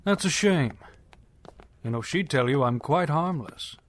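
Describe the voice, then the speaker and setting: An actor playing a smug, menacing prisoner in an audio drama, sardonic and mock-polite. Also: male voice, fairly high pitch, animated, unhurried. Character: mocking, menacing male prisoner and villain, unhurried and smug.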